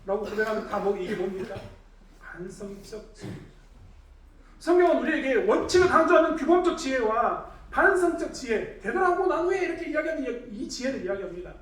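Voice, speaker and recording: A middle-aged man preaching a Sunday sermon as pastor, animated, acting out quoted voices and swinging from loud to hushed. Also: very high-pitched, brisk. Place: church sanctuary. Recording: roomy church sound, voice picked up from a distance.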